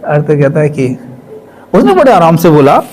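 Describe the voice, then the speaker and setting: A male spiritual speaker telling a personal testimony with emotion, sometimes dropping to a hush. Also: fairly high pitch, sing-song, normal speed, slight background noise, rough recording. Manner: emotional, drops to hushed tones for quoted voices.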